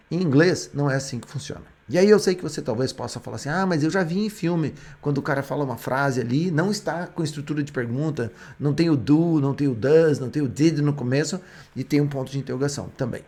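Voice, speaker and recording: A man's voice: fairly high pitch, quick pace, a little mellow. A Brazilian man, a native Portuguese speaker, explaining English grammar step by step as a teacher. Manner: explains step by step, with frequent restarts.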